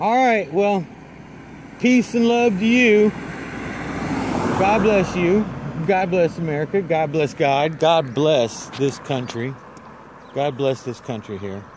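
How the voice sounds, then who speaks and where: Speaking very slowly, a man with a high voice swings his pitch very widely. The sound is dry with no echo, and background noise is noticeable. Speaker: touring cyclist vlogger. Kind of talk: casual vlog chat. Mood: playful, upbeat. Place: street. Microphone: phone near.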